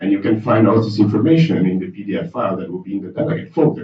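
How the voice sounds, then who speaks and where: Words rush out at a very fast pace. Pitch swings very widely from high to low. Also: man. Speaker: student association president chairing assembly. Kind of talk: procedural briefing at general assembly.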